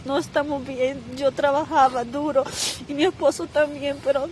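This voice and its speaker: High-voiced tearful woman giving testimony. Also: fairly even intonation, normal speed, darkish tone. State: tearful, voice breaking with crying. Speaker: migrant mother being interviewed. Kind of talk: emotional personal testimony. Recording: clearly noisy, traffic rumble.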